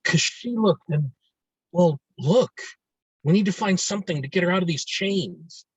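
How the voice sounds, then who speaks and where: A woman's voice: lowish voice, lively intonation, measured pace, slightly rough, no echo, lo-fi sound. A woman playing an earnest, caring young boy at an amateur table read. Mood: urgent, concerned.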